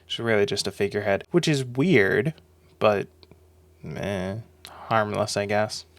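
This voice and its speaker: Sarcastic man with a sore, gravelly throat. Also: fairly low pitch, measured pace, no room sound. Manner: dry, sarcastic, swearing. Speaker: video essay host. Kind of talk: sarcastic commentary monologue.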